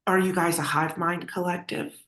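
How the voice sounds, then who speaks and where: A woman with a slightly low voice conducts a casual interview in a very roomy, echoing recording. She is hesitant and conversational, often reshaping a question while saying it. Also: fairly even intonation, normal speed, fairly bright tone. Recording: echoey, roomy sound.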